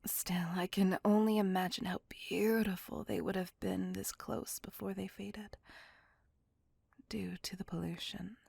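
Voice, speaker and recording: A woman voicing a possessive, doting, centuries-old female vampire in an ASMR roleplay, whispering softly with formal, old-fashioned phrasing. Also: mid-range voice, flat delivery, a little slow, vocal fry, husky, no echo, full character voice. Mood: wistful. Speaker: voice actor.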